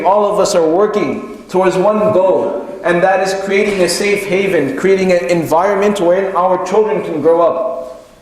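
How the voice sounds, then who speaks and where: Male Muslim preacher in a very echoey hall. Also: high-pitched. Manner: didactic, repeats phrases for emphasis, rhetorical questions. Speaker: Muslim preacher giving a community lesson. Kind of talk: sermon, lecture to a congregation. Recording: very echoey hall with long reverb.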